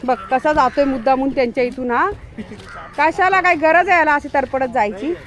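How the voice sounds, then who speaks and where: High-voiced woman scolding her dog. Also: a little fast. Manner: scolding, affectionate, calls out loudly. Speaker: vlogger. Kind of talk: casual vlog talking to her dog and viewers. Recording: busy crowd noise behind.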